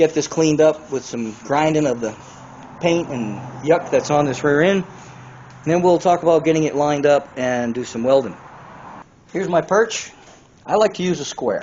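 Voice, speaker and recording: With noticeable background noise behind him, a man with a fairly high pitch speaks at a moderate pace, with ordinary pitch variation and long, frequent pauses. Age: 60s. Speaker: auto mechanic and restorer. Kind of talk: tutorial. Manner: casual, conversational.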